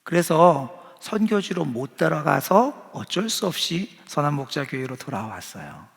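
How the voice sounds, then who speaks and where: Man, pastor, sermon, conversational, asks the crowd questions, slightly high pitch, long church reverb. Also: very animated, measured pace, vocal fry.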